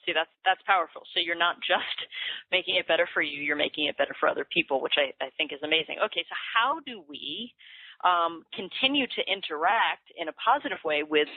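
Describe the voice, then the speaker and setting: A woman's voice: fairly low pitch, brisk, dry recording. A woman hosting a conversational interview, speaking over a telephone. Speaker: interview host. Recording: thin phone-like line.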